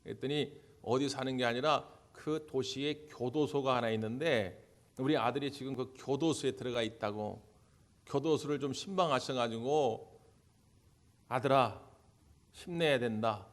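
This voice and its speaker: In a sermon at a church service, a male pastor with a medium-pitched voice speaks at normal speed. He tells stories, acts out the voices of the people in them, and puts questions to the congregation.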